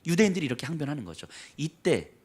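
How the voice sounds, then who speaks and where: Guy pastor preaching fast, high voice that jumps all over, acts out the lines in the story. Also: breathy edge. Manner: lively storytelling, acts out quoted voices, drops to soft low emphasis. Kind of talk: sermon.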